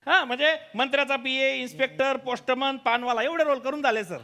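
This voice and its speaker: An actor playing a meek production assistant, apologetic and grumbling, in a stage comedy sketch. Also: male voice, very high voice, fairly even intonation, a little fast, bright, forceful tone, exaggerated voice. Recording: noisy stage audio.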